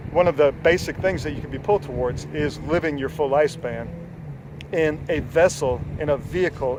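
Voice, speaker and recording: Forties guy coaching on health, earnest and rambly, swears a bit, lots of traffic noise behind him. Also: a little high. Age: 40s. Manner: earnest, rambling, frequent "uh" and restarts, casual swearing. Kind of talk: unscripted motivational talk to camera.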